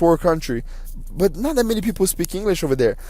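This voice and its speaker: A man talks at a very fast pace. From Brazil. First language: Portuguese. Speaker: podcaster. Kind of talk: solo podcast monologue. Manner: halting, with false starts.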